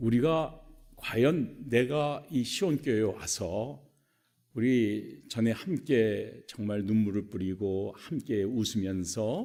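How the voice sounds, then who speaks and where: This man's voice sits at a medium pitch, with a dark, mellow tone and lively intonation. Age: 60s. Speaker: retired pastor, guest preacher. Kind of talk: sermon. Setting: church.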